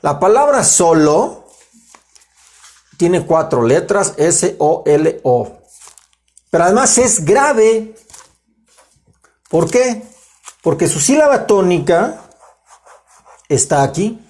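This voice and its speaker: Mexican guy teaching grammar on a livestream, lively and chatty, keeps stopping to talk to viewers. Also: high voice, slow pace, pauses often. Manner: animated, chatty, self-interrupting with asides to viewers. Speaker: writer giving a live grammar talk. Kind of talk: informal livestream lesson.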